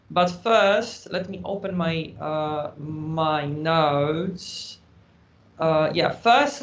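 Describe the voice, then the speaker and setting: Against audible room echo, a man speaks very slowly at a high pitch with ordinary pitch variation. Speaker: composer and lecturer. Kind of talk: lecture. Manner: halting.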